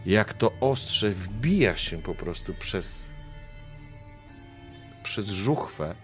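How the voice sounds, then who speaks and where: A man's voice: on the low side, animated, very slow, faint music behind. A young man acting as game master, narrating a tabletop game with vivid, dramatic scene descriptions.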